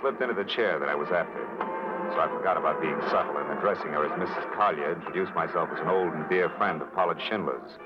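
A hard-boiled American private detective in a vintage radio drama. The voice is low and wry, with tough, clipped delivery. The recording is dull and aged, with prominent music behind it. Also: male voice, fast talker. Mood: wry, watchful. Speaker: lead actor and narrator. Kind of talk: 1940s-50s radio noir narration and acting.

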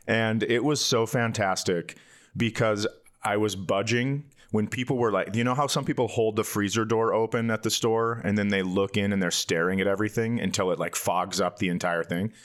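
Male comedian, lowish pitch, casual banter, self-mocking storyteller, giggly delivery. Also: fairly even intonation, normal speed. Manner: self-mocking, giggles through his stories. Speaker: comedian and podcast host.

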